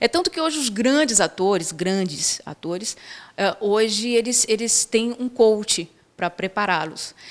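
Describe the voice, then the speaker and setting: A woman with an unremarkable speaking voice, fairly high in pitch, at a fairly slow pace. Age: 20s. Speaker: actress and acting teacher; actress guest. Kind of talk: TV talk show interview. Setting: studio. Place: studio. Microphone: handheld.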